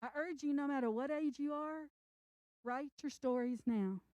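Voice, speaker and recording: An older woman, a children's book author, gives an earnest, encouraging talk to an audience at a library event. Her high-pitched voice is a little mellow, she speaks slowly and with emphasis, and the recording is dry.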